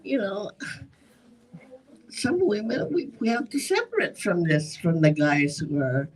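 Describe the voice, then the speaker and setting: A woman's voice: medium pitch, unhurried, a little mellow, low-quality recording. A woman with a Filipino accent making casual, unscripted remarks at a forum in a conversational way. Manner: conversational, often says "you know".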